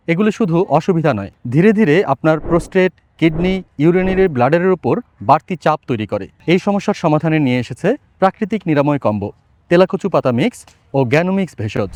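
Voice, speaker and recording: Casting: male voice-over artist, high pitch, brisk delivery for product promo reads. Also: darkish tone. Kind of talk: scripted promotional ad narration.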